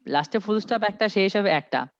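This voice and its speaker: A man tutoring an online IELTS class, reading English sentences slowly and quizzing his students step by step. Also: high voice, animated, no room sound. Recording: dry, dull lo-fi audio.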